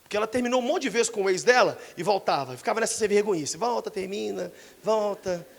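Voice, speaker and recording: A man in his forties with a Brazilian Portuguese accent, preaching a sermon in a church, telling dramatic stories and breaking into shouts. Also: sits high, fast talker, gravelly. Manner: dramatic storytelling, bursts into shouts. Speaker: pastor.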